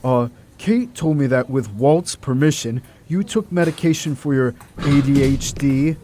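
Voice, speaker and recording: A man's voice: medium pitch, unhurried, noisy background, natural voice. A man playing a formal, firm hospital doctor. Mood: polite. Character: courteous but stern male senior hospital doctor. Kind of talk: amateur audio drama acting.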